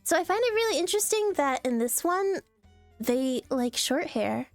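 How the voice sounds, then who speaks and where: A young adult woman streaming casually, reacting to posts in a playful, animated way and laughing often. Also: sits high, moderate pace, no room sound, faint music behind.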